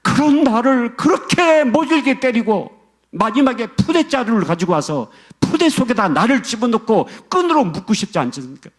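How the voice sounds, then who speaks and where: A man's voice: mid-range voice, normal speed, pauses often, warm tone, husky. A man voicing a grown man who cries out to his father, wailing and pleading with reproach. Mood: anguished.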